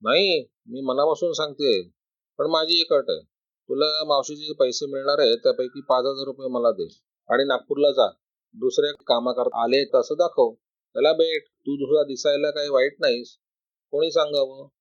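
A man's voice: mid-range voice, steady tone, normal speed, close to an everyday voice. Vijaya, a man voicing a vain, scornful young woman. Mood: bargaining. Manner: scornful, boastful. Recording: dry, slightly dull recording.

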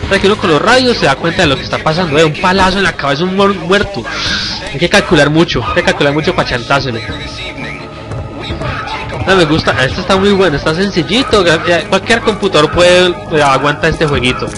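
A young man with a Colombian accent giving excitable let's-play commentary at his computer, yelping and swearing at scares. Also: a little high, fairly quick. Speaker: gamer. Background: game music.

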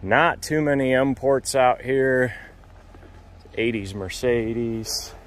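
A man calmly narrating a casual walk-around tour of a wooded car lot outdoors, in matter-of-fact, unhurried remarks. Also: mid-range voice, slight background noise. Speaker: vlogger touring a car lot.

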